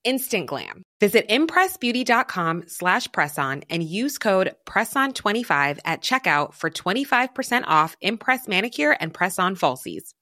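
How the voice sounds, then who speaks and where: A woman's voice: mid-range voice, big pitch swings, normal speed, hardly any pauses, sharp tone, dry recording, studio quality. A woman presenting a scripted advert in a chatty, enthusiastic influencer style.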